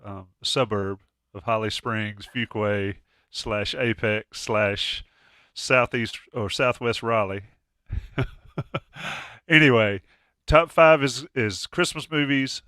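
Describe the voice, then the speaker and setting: A man's voice: fairly low pitch, takes it slowly, bright, forceful tone, no echo, studio quality. A man hosting a casual sports chat, stuffy from a cold, joking and restarting often. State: congested with a cold. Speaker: podcast host.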